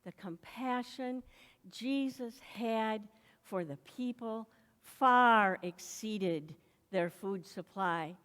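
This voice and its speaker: Slow, measured woman preaching in church. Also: a little high, a bit bright. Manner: slow, deliberate preaching with dramatic pauses. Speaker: pastor. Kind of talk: sermon. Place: church sanctuary. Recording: echoey church hall.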